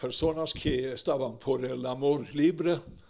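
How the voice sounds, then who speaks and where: A man with a Swedish accent, his tone dark and mellow, his intonation fairly even. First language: Swedish (speaking Spanish). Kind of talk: interview. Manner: halting.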